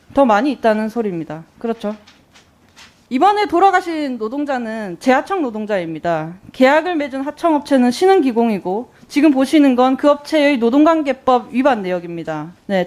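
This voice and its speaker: A woman's voice: high voice, darkish tone. A woman in her twenties, a lawmaker questioning an executive in a parliamentary hearing with pointed, indignant rhetorical questions. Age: 20s. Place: national assembly hearing room. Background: faint guitar music.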